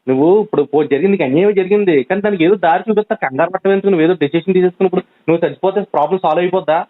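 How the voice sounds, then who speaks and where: A man's voice: high voice, very fast. A man on a phone call, urgently pleading and reasoning with a friend, with many restarts. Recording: tinny phone line recording.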